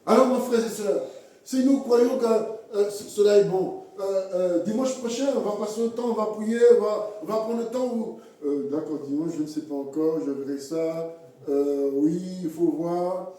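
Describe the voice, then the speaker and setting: A man preaching a sermon in a halting way, repeating words and acting out little everyday scenes. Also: high-pitched, warm tone. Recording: echoey hall from far off.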